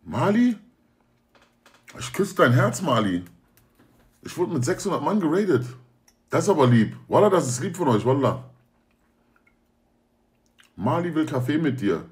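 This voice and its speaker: A man's voice: a little high, sing-song, measured pace, long pauses, a little mellow. A young man talking casually to viewers on a livestream, slangy and joking, often swearing oaths. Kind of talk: casual stream chat.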